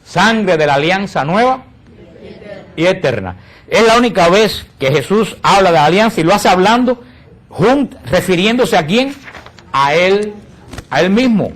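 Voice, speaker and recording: Catequista de voz aguda y expresiva. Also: male voice, high voice, expressive, fairly bright tone. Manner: asks the audience questions and answers them himself; slows and drops his voice on key words. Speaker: catechist. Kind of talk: catechism teaching to a group.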